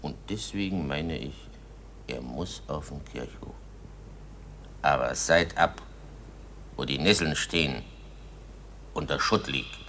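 An actor playing a blunt, contrary village farmer who argues emphatically in a radio play. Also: male voice, extremely low pitch, slow pace, long pauses, bright, forceful tone, slight background noise, full character voice. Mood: argumentative. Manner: emphatic, argumentative. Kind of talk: German radio play acting.

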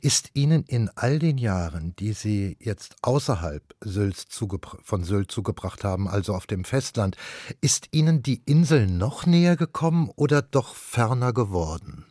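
A man hosts a radio interview with a lowish voice, asking his questions in a measured, articulate way. The sound is dry and close to the mic. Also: very animated, a little mellow, no room sound. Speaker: radio host.

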